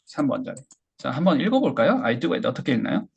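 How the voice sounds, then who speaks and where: A man teaching English pronunciation in a lecture, explaining step by step and modeling phrases slowly for learners to repeat. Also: mid-range voice, sing-song, vocal fry, slightly rough. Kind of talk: online lecture.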